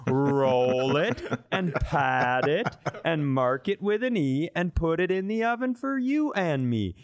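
Guy on a comedy podcast, really swoopy animated pitch, playful banter, fake earnest bits. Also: slow, no room sound, studio quality. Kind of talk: casual comic banter.

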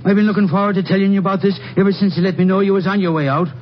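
An actor playing a feisty, talkative old farmer with folksy rural speech in a 1950s radio western. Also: male voice, sits high, fairly even intonation, racing, natural voice. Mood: feisty, eager. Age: older. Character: feisty, talkative old farmer eager to tell his tale. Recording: dull, hissy 1950s radio recording.

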